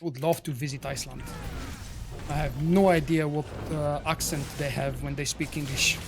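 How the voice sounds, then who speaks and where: A man's voice: on the high side, moderate pace, gravelly, noisy background. A man from Bulgaria with a Bulgarian accent, casually chatting with viewers while streaming a game. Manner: relaxed, rambling, answers chat between fights. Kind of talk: live gameplay commentary, chatting with viewers.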